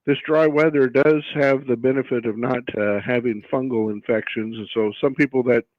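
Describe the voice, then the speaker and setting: A man giving practical explanations as an educator guesting on a radio show, halting and pausing mid-phrase. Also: medium pitch, fairly even intonation, dry recording, muffled recording. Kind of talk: explanatory interview talk.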